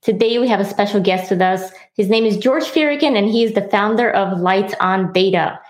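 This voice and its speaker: A woman's voice: mid-range voice, a little fast, echoey room. A woman hosting a live show in a chatty, upbeat way, often laughing between lines. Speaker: host. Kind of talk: live show, casual chat.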